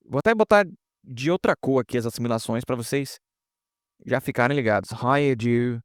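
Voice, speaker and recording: A man's voice: medium pitch, moderate pace, clean tone, no room sound, studio quality. A man teaching English pronunciation in a casual online lesson, explaining step by step and often checking in with students.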